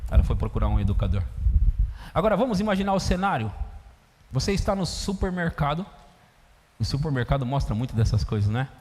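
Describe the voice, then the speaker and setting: A Brazilian man, a pastor, preaching a sermon in an animated storytelling way, acting out scenes in a church. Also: mid-range voice, a little fast, pauses often, a little hiss or hum. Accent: Brazilian Portuguese. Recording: echoey church hall.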